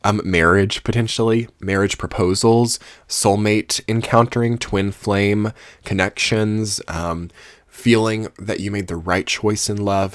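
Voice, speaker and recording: Low-voiced man giving a tarot reading. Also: no echo, clean studio sound. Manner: rambling, earnest, with many fillers. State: losing his voice. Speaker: tarot reader. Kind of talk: casual tarot reading to camera.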